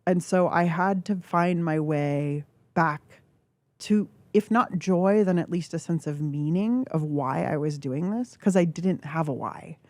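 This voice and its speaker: A woman with a low, mellow voice, a guest author from California, pauses and reflects through a candid radio studio interview, using filler words. Her studio microphone picks up no room sound.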